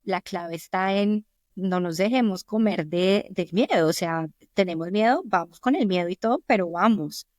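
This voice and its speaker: A middle-aged Colombian woman with a Colombian Spanish accent appears as a podcast guest, earnestly sharing personal anecdotes in a conversational interview. Her voice is medium-pitched and a little mellow, at a moderate pace. The studio recording is clean, with no echo.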